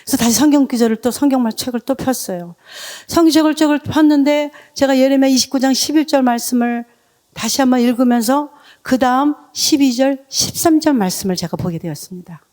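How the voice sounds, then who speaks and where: Middle-aged woman, church testimony, higher voice, heartfelt storytelling. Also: brisk, a little mellow. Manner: emotional storytelling, leads congregation in reading. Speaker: deaconess giving testimony. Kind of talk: revival testimony sermon.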